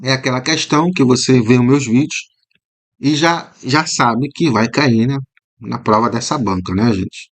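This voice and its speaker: A Brazilian man with a Brazilian Portuguese accent walks through exam answers as a teacher, in a mid-pitched voice. He explains patiently, tags his points with "né?", and slowly repeats words to model their pronunciation. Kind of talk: commented exam walkthrough.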